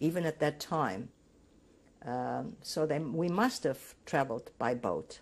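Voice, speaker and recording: Her voice is very deep and low with vocal fry, as this woman talks at a fairly slow pace with very wide pitch swings over a quiet background. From born in Greece, raised abroad from age four. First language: Greek. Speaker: Holocaust-era survivor interviewee. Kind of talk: oral history interview. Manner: halting.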